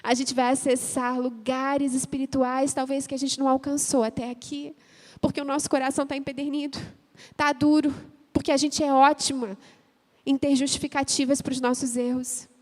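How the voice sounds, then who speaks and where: A woman pastor with a Brazilian Portuguese accent preaching a sermon, telling a personal story and then praying out loud with fervour. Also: high-pitched, flat delivery, normal speed. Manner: storytelling, acting out both sides of a marital argument; rises to loud fervent prayer. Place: church. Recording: church hall with long reverb.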